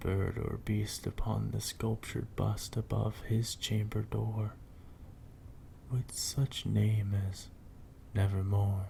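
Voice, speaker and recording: Soft-spoken and whispering, a man talks at a very slow pace with long, frequent pauses. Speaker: ASMR reader. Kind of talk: poetry reading. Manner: soft-spoken, whispery.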